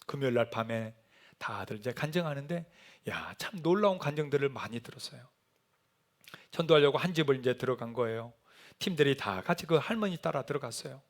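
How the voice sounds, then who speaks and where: Lively storytelling male pastor. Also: medium pitch, brisk. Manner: animated storytelling, acting out shouted quotes. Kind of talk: sermon.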